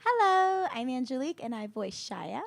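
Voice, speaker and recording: A woman's voice: high-pitched, sing-song, normal speed, creaky. A woman chatting casually on a video call, with faint noise and clicks on the line. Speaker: podcast voice actor. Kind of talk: casual chat.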